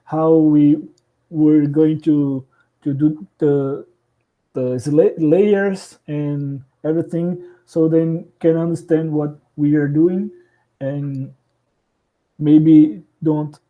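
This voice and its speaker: Brazilian guy, slow halting english, portuguese native, sounds like a thin phone line. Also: a little high, steady tone. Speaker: podcast guest, house builder. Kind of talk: casual interview conversation. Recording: thin phone-like call audio.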